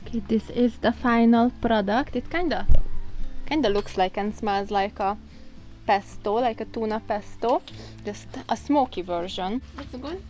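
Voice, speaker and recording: Woman chatting through a casual cooking vlog outside, highish voice, giggly, bit of music behind. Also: a little slow, a little mellow. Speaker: vlog host. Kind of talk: casual outdoor cooking vlog, explaining a recipe. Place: outdoors on a farm.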